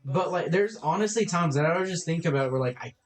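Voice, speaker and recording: A man's voice: on the high side, lively intonation, fast. A young man hosting a casual podcast chat, laid-back, filling his talk with "like" and "dude". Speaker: podcast host. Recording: echoey playback in the audio.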